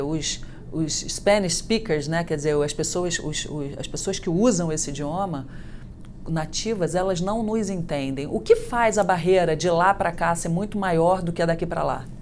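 Lively woman hosting a TV interview. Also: fairly low pitch, normal speed, a little hiss or hum. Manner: lively, exclamatory. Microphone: video call webcam.

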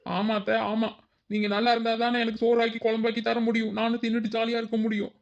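Woman voicing a sly lazy daughter-in-law for a village cartoon, quick flat talk, kinda dull lo-fi sound. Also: medium pitch, close to an everyday voice. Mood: pleading. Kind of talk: village cartoon comedy acting.

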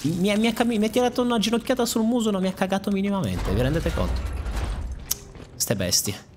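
A man commentates his gameplay live, his voice sitting a touch high and swinging widely in pitch. He is excitable, cursing and shouting at whatever attacks him, with game sounds and noise clearly audible behind him. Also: fast. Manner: excitable, swearing and shouting at enemies. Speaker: gaming let's-play host.

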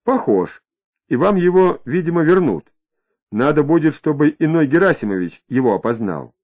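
A calm, probing young detective, read by a male narrator, who asks his questions in a measured, slightly ironic tone. His pitch moves in lively curves. The audio is narrow and tinny, as if heard down a phone.

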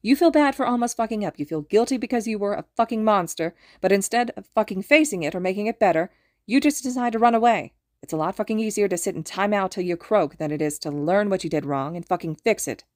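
A woman voicing a furious, foul-mouthed woman in an audiobook story, snapping forcefully and emphatically. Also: medium pitch, animated, moderate pace, few pauses, no room sound, clean studio sound, voice pushed up, natural voice. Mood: furious, pleading.

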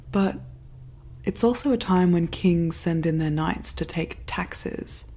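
An actress playing a reflective, anxious woman recording a log in an audio drama, speaking in a measured, literate way. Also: lowish voice, dark tone. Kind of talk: audio drama monologue and dialogue.

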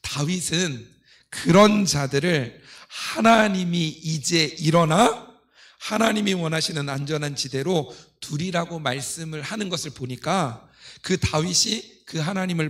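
A man's voice: on the high side, animated, a little slow, a bit bright. A middle-aged man preaching as a pastor, explaining scripture to his congregation in a teaching manner. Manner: didactic, asking rhetorical questions and leading readings. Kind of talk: sermon, expounding scripture to a congregation. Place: church pulpit, indoors.

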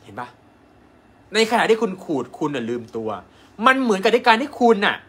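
A man, a doctor, giving an animated live-stream sales pitch and asking his viewers rhetorical questions. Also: brisk, husky. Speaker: acupuncture doctor selling an online course.

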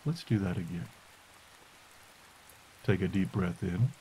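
A man softly and slowly guiding a meditation as podcast host, in a soothing delivery. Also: sits low, low-quality recording. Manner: soft, slow, soothing delivery. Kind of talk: guided meditation. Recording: hiss and rain noise. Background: rain.

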